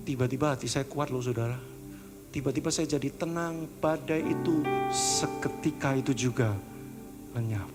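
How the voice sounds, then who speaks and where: A man preaching a sermon, talking in a casual, chatty way that swings from high pleading to hushed tones. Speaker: pastor. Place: church service.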